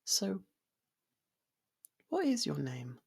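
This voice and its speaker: A woman voicing a possessive, softly menacing fairy royal in love, coaxing in an ASMR roleplay and slipping into whispers. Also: medium pitch, huge pitch swings, drawn-out words, vocal fry, husky, heavily acted. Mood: curious, coy.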